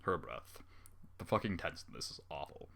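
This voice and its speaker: A man's voice: deep voice, big pitch swings, normal speed, vocal fry, sharp tone. A man reading fan fiction aloud with running commentary, exasperated and sarcastic, swearing often.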